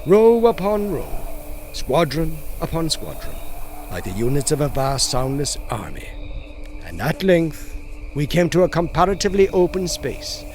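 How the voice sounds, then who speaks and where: A man narrating an old ghost story for an audiobook, with a slightly higher than usual voice and an unhurried, atmospheric delivery. A faint hiss of noise sits under his reading. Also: big pitch swings, darkish tone. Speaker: audiobook narrator and horror author.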